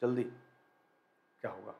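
A young male teacher running a live quiz lesson, energetic and repetitive, urging students to answer quickly. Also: reverberant, lo-fi sound. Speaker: online exam-prep teacher.

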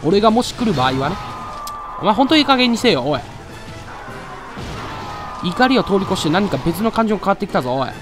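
A man giving excitable live gameplay commentary, loudly taunting and grumbling at the monster he is fighting. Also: high voice, brisk, long pauses. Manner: excitable, trash-talks the monster with rough taunts. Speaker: let's play commentator. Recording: loud game music behind voice. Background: game music.

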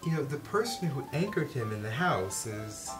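Male host, middle-aged, mid-pitched, conversational interviewer, clear music bed behind. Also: sing-song, normal speed.

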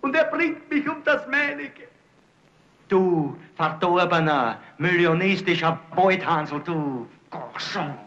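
Brief: an indignant poor servant, high, scolding; dull old film sound. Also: male voice, a little slow, a bit bright. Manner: scolding, blustering.

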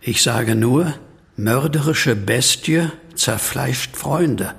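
A man's voice: mid-range voice, extremely slow, vocal fry, fairly bright tone, husky, exaggerated voice. An actor playing an anxious, troubled man who fears he is a werewolf, brooding and hesitant, in a horror audio drama. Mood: uneasy.

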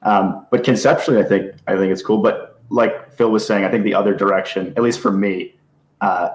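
A man's voice: on the low side, steady tone, a little fast, low-quality recording. A man appearing as a guest on a live-streamed talk show over a video call, thinking aloud with many hesitant restarts. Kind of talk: casual live-stream chat.

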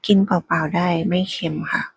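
A woman whispers quietly and breathily in an ASMR eating commentary, murmuring unhurriedly close to the microphone. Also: brisk, no room sound. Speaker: food ASMR host.

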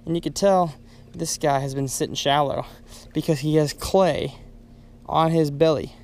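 A man's voice: on the high side, steady tone, normal speed. A young man filming a casual fishing vlog from a boat on a lake, upbeat and chatty. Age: young adult. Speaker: fishing vlogger. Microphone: chest-mounted camera.

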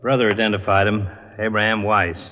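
An actor playing an earnest police lieutenant in an old radio drama, plain-spoken and matter-of-fact. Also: male voice, on the low side, little pitch movement, a little fast, close to an everyday voice. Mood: grim, matter-of-fact. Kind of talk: 1950s radio drama acting. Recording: muffled old radio recording.

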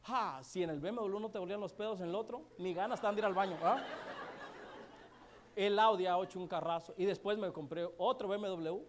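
A man's voice: high voice, fairly quick, a little hiss or hum. A man telling a humorous success story to a live audience in a colloquial, chatty way. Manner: joking, colloquial, chatty with many asides to the audience. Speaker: motivational speaker at a business event.

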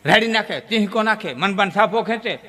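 A man telling comic folk stories on stage, with lively, sudden jumps in pitch. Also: a little fast. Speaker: folk storyteller. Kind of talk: folk comedy storytelling on stage. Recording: long hall reverb.

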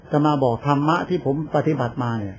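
This older man is a monk from Thailand preaching casually, spinning chatty stories, laughing, and voicing the words of others as he goes. His pitch is medium and expressive, his pace brisk, and there's slight background noise.

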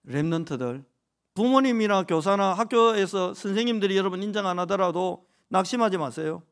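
In a church sanctuary during worship, a Korean pastor in his forties with a Gyeongsang accent preaches and jokes with the children in the pews. His voice is high, brisk, and lively in intonation.

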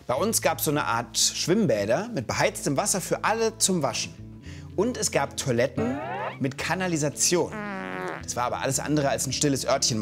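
A man doing a jolly Roman and peasant guide, lively swooping voice, playful and exaggerated, talking straight to kids, soft music underneath. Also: a little high. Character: cheerful ancient Roman and medieval peasant man. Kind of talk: costumed history narration for children. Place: studio set with sofa.

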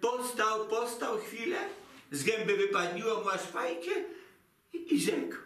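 A man's voice: high voice, measured pace, bright, forceful tone. An actor playing a fretful, theatrical elderly Jewish mother who speaks Polish with a Yiddish inflection, lamenting in a singsong voice. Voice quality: singsong lamenting, broken grammar. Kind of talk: comic stage monologue. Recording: roomy, distant mic.

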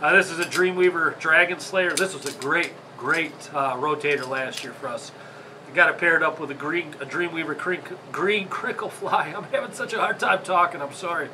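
A man's voice: a little high, moderate pace, sharp tone, a little hiss or hum. Stuffy-nosed Michigan man chatting. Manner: chatty, rambling, apologetic. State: congested from a sinus infection. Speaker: fishing channel host. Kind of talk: casual how-to video. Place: indoor tackle workshop.

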